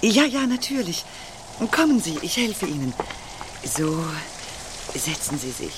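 A kind, talkative woman in an old radio play, her voice rising and falling in a lively way. She fusses helpfully over people around her. Pouring rain fills the background loudly. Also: on the low side, unhurried, heavy background noise. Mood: kindly. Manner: warm-hearted, talkative. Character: kindly, chatty woman at a rainy bus stop. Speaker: radio drama actress. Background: heavy rain.

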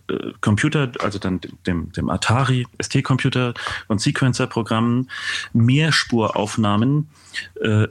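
A middle-aged composer and music producer, appearing as an interview guest, looks back on his past work in a reflective answer. His voice is lower and deliberate, and his phrasing is hesitant, with frequent pauses.

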